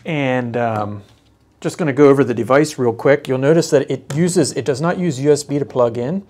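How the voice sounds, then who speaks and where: A man giving a casual, unscripted product demonstration, speaking haltingly as he thinks aloud. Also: medium pitch, a little mellow, a little hiss or hum.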